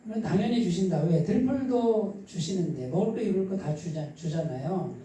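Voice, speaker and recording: A male pastor with a husky, somewhat stifled voice preaches conversationally, putting questions to the congregation and answering them himself. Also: high-pitched, expressive, moderate pace, warm tone, slight background noise. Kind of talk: conversational sermon. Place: church midweek service, echoing room. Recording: echoey church hall, distant mic.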